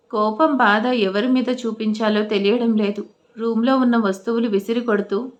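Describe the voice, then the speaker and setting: A woman storyteller giving a steady, scripted narration of an audio story. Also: a little high.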